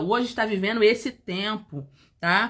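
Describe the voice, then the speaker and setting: A woman's fairly high voice at a moderate pace with lively intonation, on a very clean recording with a silent background. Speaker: Bible teacher. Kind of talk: livestream Bible teaching.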